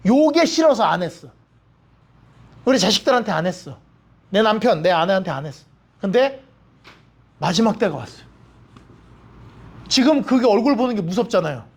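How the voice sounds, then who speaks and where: A man's voice: high-pitched, very animated, normal speed, gravelly, long pauses. A male pastor preaching a sermon in a church, blunt and plain-spoken, mixing jokes into stern points. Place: church sanctuary.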